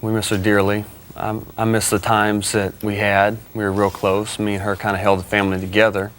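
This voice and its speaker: Man, talk show guest, low flat voice, halting, plainspoken, faint room noise. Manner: halting, plainspoken, many fillers. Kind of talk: emotional interview answers. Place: television studio.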